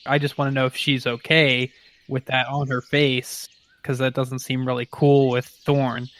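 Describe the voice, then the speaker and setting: A man's voice: medium pitch, level tone, measured pace, fairly bright tone. A man talking casually as a player in a tabletop role-playing game, explaining his character's actions. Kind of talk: casual actual-play game talk.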